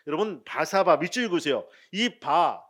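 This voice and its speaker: Pastor with a fairly high voice preaching. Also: male voice, very animated, moderate pace. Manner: asks the congregation questions and jokes with them; swings between loud emphasis and quiet asides. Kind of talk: sermon.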